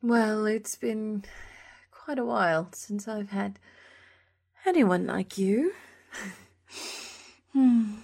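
An actress playing a sharp-tongued, sardonic woman lover in an audio drama, expressive and prone to swearing. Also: mid-range voice, extremely slow, gravelly, long pauses, exaggerated voice. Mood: teasing, amused. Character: sharp-tongued, foul-mouthed woman lover, wry then furious.

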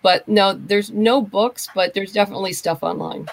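Creaky-voiced woman, very dry sound. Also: medium pitch, moderate pace, no room sound. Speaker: guest, writer. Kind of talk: casual panel talk. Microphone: video call.

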